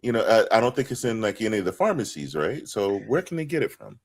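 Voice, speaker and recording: A man's voice: fairly low pitch, big pitch swings, fast. A man hosting a podcast, quizzing his co-host in a playful way and laughing easily.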